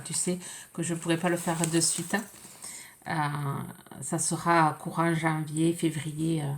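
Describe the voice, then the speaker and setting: A woman with a French accent and a notably low voice talks casually through a package she is opening, halting often with fillers. Her cold leaves her sounding congested, and a faint hiss runs behind her. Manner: hesitant, many pauses and fillers. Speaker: scrapbooking vlogger. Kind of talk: casual unboxing chat.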